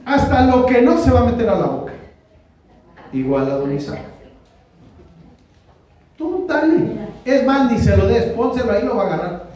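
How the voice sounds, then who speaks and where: A man's voice: very high-pitched, sing-song, normal speed, long pauses, warm tone. A man with a Mexican Spanish accent preaching a conversational sermon as pastor, often asking the congregation questions. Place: church hall. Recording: very echoey hall from far off, faint noise.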